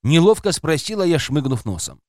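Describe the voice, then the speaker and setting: A man's voice: a little high, big pitch swings, brisk, no room sound, clean studio sound. A man reading an audiobook aloud as scripted first-person narration, expressively voicing a woman narrator's inner thoughts.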